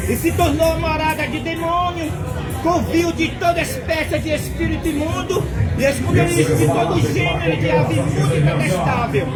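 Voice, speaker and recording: Fiery high-voiced Brazilian preacher. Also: male voice. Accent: Brazilian Portuguese. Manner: impassioned, often shouting, repeats words for emphasis. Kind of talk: fiery end-times sermon. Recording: loud music and crowd noise behind.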